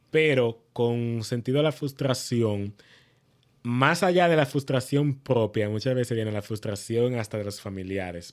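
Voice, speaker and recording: Over a very clean recording with a silent background, a man speaks at a fairly slow pace and a medium pitch in an unremarkable speaking voice. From Dominican Republic, Moca. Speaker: doctor. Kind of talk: interview.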